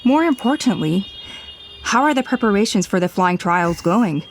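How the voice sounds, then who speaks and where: A woman's voice: mid-range voice, animated, normal speed. A woman voicing a composed, welcoming female tribal elder in a game cutscene. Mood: calm. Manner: composed, hospitable.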